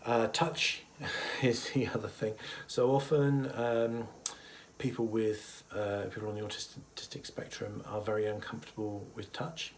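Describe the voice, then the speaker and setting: A man, a therapist, talks to camera in a relaxed, educational way, his low, husky voice hoarse from a cold and showing little pitch movement. He's reflective and hesitant, leaning on fillers and laughing quietly. The recording is rough, with a faint hiss of room ambience.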